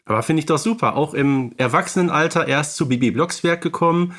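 A man's voice: fairly high pitch, a little fast, a bit bright. Male podcast host in casual conversation. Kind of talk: casual interview chat.

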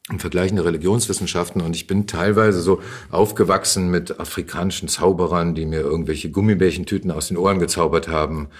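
A man's voice: deep voice, steady tone, quick pace, few pauses, breathy edge. A middle-aged man in casual, reminiscing conversation as an interview guest, talking hesitantly in half-finished sentences. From Germany.

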